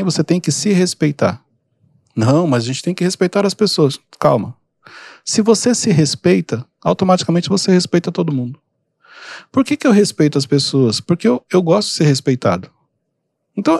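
A calm, easygoing man with a Brazilian Portuguese accent talks through advice on his podcast, patient and explanatory. His voice sits a little on the high side. The sound is dry and close, with no room echo. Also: creaky. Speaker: podcast host and mentor. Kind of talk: casual advice podcast talk.

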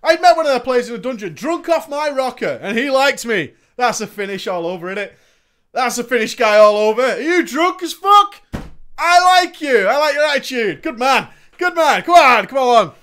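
Animated, high-voiced man. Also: normal speed. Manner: animated, sarcastic asides, laughs often. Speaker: story reader. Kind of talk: comic reading of a gaming story with asides.

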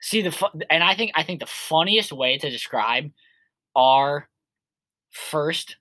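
Rambling twenty-something male co-host, bright tone, dry booth sound. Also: fairly high pitch, lively intonation, takes it slowly, dry recording. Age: 20s. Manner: rambling, heavy on filler words. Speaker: podcast co-host. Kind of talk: casual chat.

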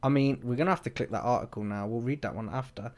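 A man's voice: medium pitch, fast, a little mellow. A man hosting a casual, rambling chat, joking as he reads out odd news stories. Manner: jokey, rambling, restarts sentences. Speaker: co-host.

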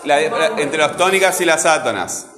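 A man's voice: a little high, animated, moderate pace, reverberant, over music. A man teaching a grammar class in a Rioplatense Spanish accent, patiently repeating his questions to the students.

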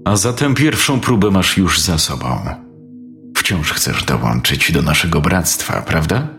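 A man's voice: low-pitched, animated, a little slow, a bit bright, soft background music, heavily acted. A man voicing a cruel, commanding male gang leader with a cold, threatening delivery. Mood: menacing.

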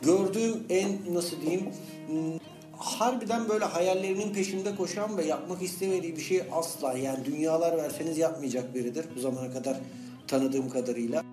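A man with a highish voice talks briskly over music as a podcast co-host, bantering casually with a friend. He teases, jokes and throws out slangy exclamations, and the room sounds roomy and echoing.

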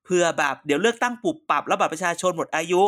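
A woman chatting casually with friends on a podcast, blunt and teasing, quick to argue back. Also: lowish voice, animated, fairly bright tone. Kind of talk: casual chat among friends.

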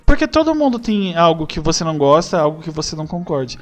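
A young Brazilian man chatting as a podcast guest, animated and acting out bits of dialogue. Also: on the high side, fast. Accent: Brazilian Portuguese. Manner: animated, acts out quoted dialogue. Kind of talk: casual chat.

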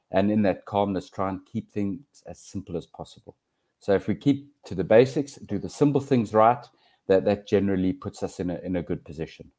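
A man with a South African accent giving measured, conversational answers as an interview guest. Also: low-pitched, mellow. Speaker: interview guest, field hockey umpire.

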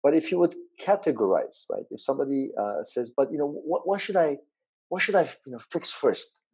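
A man hosting an interview, speaking haltingly with many pauses, restarts and tag questions. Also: a little high, expressive, darkish tone, slightly rough. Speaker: interview host. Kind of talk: conversational interview.

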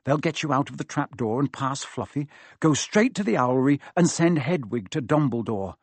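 A man's voice: medium pitch, expressive, moderate pace, slightly rough, no room sound. A man voicing a brave, modest young schoolboy hero who speaks with urgent earnestness, in a storybook reading. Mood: urgent, resolute.

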